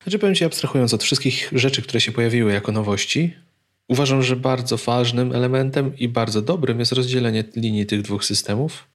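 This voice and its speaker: Podcast co-host, man, middle pitch, opinionated and talkative, speaks in long turns. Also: fairly quick. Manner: opinionated, talks in long stretches. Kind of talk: casual tech chat.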